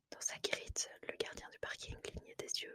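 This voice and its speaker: A calm, whispered delivery at a fairly slow pace. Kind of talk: whispered audiobook-style reading of a novel. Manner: whispered, soft, calm.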